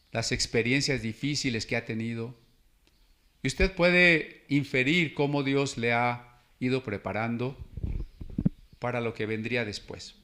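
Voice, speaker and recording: A man's voice: mid-range voice, fairly bright tone. Guy preaching, middle-aged, chatty sermon, keeps tossing in little asides to the congregation. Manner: conversational preaching with frequent "¿no?" asides and personal anecdotes. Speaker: pastor.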